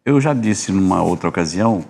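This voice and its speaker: A man's voice: deep voice, expressive, brisk, vocal fry, darkish tone. A Brazilian man, host of a church podcast, telling anecdotes in a rambling way with restarts. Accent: Brazilian Portuguese. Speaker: podcast host, music minister. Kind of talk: casual church podcast chat.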